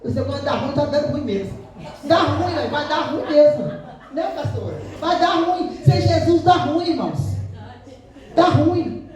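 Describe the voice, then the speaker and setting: High-voiced Brazilian woman preaching in an echoey church. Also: lively intonation, a little slow, a little mellow, recorded from a distance, faint music behind. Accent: Brazilian Portuguese. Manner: repetitive, earnest, keeps asking for agreement. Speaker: missionary preacher. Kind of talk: emotional conversational sermon. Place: church sanctuary.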